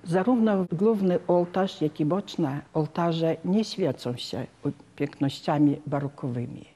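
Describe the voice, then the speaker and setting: Low, dark-voiced older woman. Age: 60s. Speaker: parishioner, local guide. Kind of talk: prepared account of parish history. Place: inside a wooden church.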